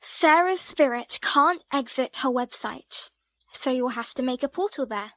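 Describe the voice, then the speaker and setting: A woman's voice: sits high, lively intonation, measured pace, fairly bright tone, no room sound. A woman playing a practical, determined young heroine in an audio drama, speaking directly. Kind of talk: amateur audio drama acting.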